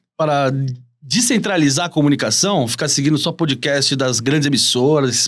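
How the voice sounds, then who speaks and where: A man speaks at a fairly quick pace in an ordinary speaking voice, pitched fairly high for a man. The recording is very clean, with a silent background. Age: 30s. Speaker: content creator. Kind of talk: casual podcast conversation. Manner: casual slangy, with repetitions.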